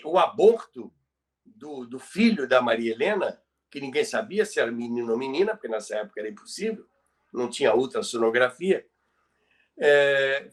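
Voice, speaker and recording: Brazilian man, fairly high-pitched, explaining emphatically. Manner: explanatory, emphatic, repeats key phrases for effect. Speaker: podcast presenter on radio history. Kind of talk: conversational storytelling about radio history.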